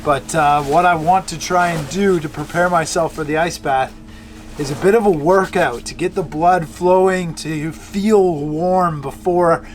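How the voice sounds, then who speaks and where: A man's voice: on the high side, measured pace. A man talking casually to camera as a vlog presenter, hesitating and correcting himself as he goes. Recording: music behind the voice.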